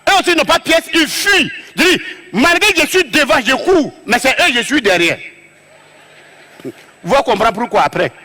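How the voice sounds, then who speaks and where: A man with a West African French accent doing an animated comic story on stage, acting out scenes and jumping between shouts and low asides. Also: normal speed. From Togo. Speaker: stand-up comedian.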